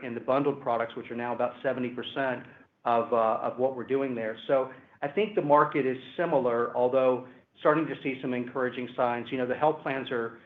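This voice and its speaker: Man, company executive, measured corporate answers, roomy echo, narrow phone-like conference line. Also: mid-range voice. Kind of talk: earnings call answers.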